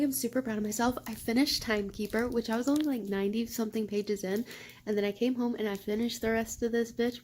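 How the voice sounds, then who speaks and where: A young woman chats casually at home for her book vlog, gushing, giggling and swearing freely. Her voice sits on the high side with a darkish tone, and there's a slight hiss or hum in the recording.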